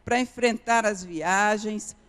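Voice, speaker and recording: Taking it slowly, a woman with a medium-pitched, slightly bright voice preaches in a church sanctuary, giving an earnest missionary testimony. She repeats key phrases frequently, and the hall's sound is reverberant.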